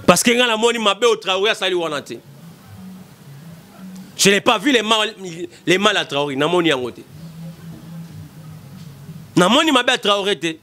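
A man's voice: high voice, animated, normal speed, long pauses, pushed and bright, soft background music. A man in his thirties with a Congolese accent, giving impassioned political commentary into a desk mic in a small studio, emphatic and repetitive. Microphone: desk mic in front.

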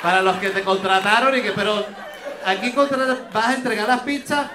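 A Venezuelan man performs stand-up crowd work in a high-pitched voice, teasing people with mocking banter. He is on a roomy theater stage, with audience noise clearly around him. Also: fairly quick, far from the mic. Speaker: stand-up comedian, host. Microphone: handheld microphone.

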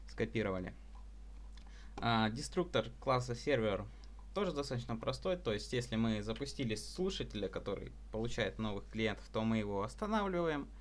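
A man recording an unscripted programming tutorial over a screen capture, explaining code step by step with frequent fillers and restarts. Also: fairly low pitch.

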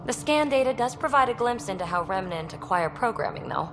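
A woman's voice: on the high side, lively intonation, fairly quick, noisy background, close to an everyday voice. A woman playing a young, impulsive alien explorer in a video game, wry, casual and earnest. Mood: thoughtful. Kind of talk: video game cinematic acting.

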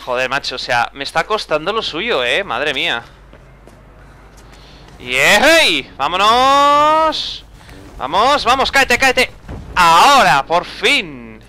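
A young man slowly narrates his gameplay in a bright, crisp, clear voice that's a little high and swings widely in pitch. In this casual let's-play commentary he talks to himself, swears often when things go wrong, and sounds exasperated.

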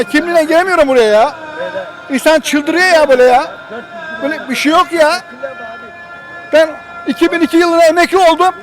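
A man's voice: very high voice, a bit bright, low-quality recording. A man in his sixties in a street interview, complaining in an aggrieved, repetitive, exclamatory way. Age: 60s. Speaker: passerby interviewee.

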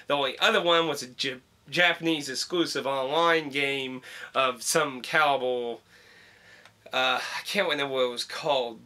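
A man's voice: mid-range voice, bright, forceful tone. A young man talking casually about games he collected, rambling with many fillers and restarts, at home. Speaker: video game collector vlogger. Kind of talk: casual unboxing vlog. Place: home room with wall shelf.

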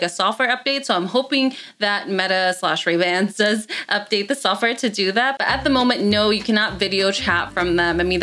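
A young woman in her twenties with a fairly high voice, answering viewer questions to camera in a casual, filler-heavy way from a small room. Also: fairly bright tone. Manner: chatty, lots of "like" and "um" fillers. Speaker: tech reviewer. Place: small room with gaming chair and LED lights, indoors.

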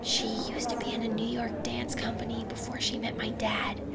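A woman's voice: fairly high pitch, flat delivery, moderate pace, over a noisy crowd, lightly acted. An actress playing a chatty, grumbling nineteen-year-old girl in an audio drama. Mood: exasperated. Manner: grumbling, casual. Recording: loud background ambience.

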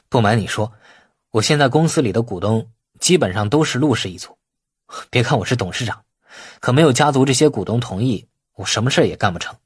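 A man's voice: mid-range voice, lively intonation, fairly quick, breathy edge, dry recording, studio quality. A man voicing a shrewd, affable young businessman in an audiobook, polite and a little sheepish. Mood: polite, tactful.

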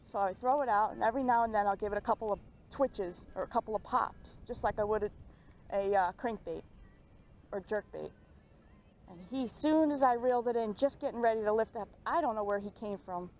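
A woman's voice: mid-range voice, a little fast. A young woman chats eagerly as she fishes from a pond bank, with a mid-range voice. She is recorded outdoors on a head-mounted action camera, with faint background noise. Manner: excited, chatty, laughs often. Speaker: fishing vlogger. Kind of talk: casual commentary while fishing.

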